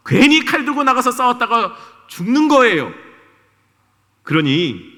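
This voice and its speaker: A man's voice: extremely high pitch, bright, forceful tone. A male pastor preaching a sermon in a church, telling a story with energy and putting questions to the congregation. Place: church sanctuary. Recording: long reverb of a church hall.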